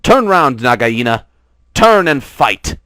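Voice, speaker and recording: A man voicing a brave, boastful young male mongoose in a storybook reading, with loud, triumphant cries. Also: mid-range voice, very animated, slow, no echo, studio quality, pitched above the performer's own voice, full character voice. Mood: defiant.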